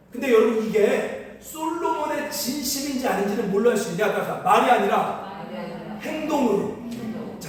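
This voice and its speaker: A male pastor preaching a sermon, asking the congregation questions and telling stories in a lively way. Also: extremely high pitch, slight background noise. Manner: animated, asks the congregation questions. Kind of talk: sermon with storytelling. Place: church sanctuary. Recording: distant mic in echoey hall.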